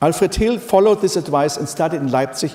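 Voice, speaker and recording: A man speaks with a German accent over noticeable background noise. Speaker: musicologist. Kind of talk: lecture. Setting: lecture hall with audience. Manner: reading from a script, some stumbles.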